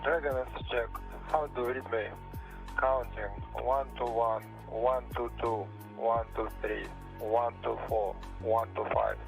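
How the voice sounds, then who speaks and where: A man's voice: medium pitch, fairly even intonation, measured pace, vocal fry, faint music behind, low-quality recording. A man from Russia, a cosmonaut doing a clipped radio comm check, counting off numbers over a space radio link that breaks up.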